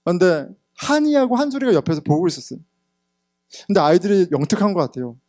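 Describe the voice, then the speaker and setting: A man in his thirties preaching a sermon as pastor, telling a personal story candidly, getting loud at times and hushed at others. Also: high voice, very animated, quick pace, no echo, studio quality. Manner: candid storytelling, sometimes laughing, swings between loud and hushed. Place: church sanctuary.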